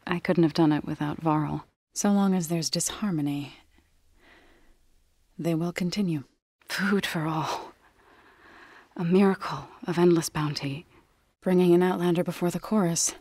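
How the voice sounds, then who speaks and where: An actress playing an earnest, solemn tribal healer in a science-fiction video game, speaking in a measured, grave, formal way. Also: female voice, on the low side, darkish tone, dry recording, clean studio sound. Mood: measured, determined. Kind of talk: scripted video game character dialogue.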